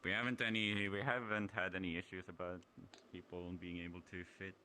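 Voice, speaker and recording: A man's voice: deep voice, flat delivery, brisk, very noisy, close to an everyday voice. A man roleplaying a laid-back fantasy townsman in a casual, hesitant way during improvised online play.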